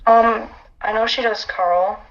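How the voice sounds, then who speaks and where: A woman's voice: on the high side, fairly even intonation, takes it slowly, lo-fi sound, faint music behind. A young woman from upstate New York, a guest speaking earnestly on a casual call, rambling with fillers. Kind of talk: casual chat.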